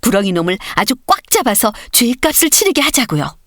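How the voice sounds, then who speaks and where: A woman's voice: a little high, big pitch swings, a little fast, fairly bright tone, no echo, studio quality, voice pushed up. A woman voicing an indignant adult sparrow in a storybook, rousing and resolute as it rallies the villagers. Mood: resolute, rallying.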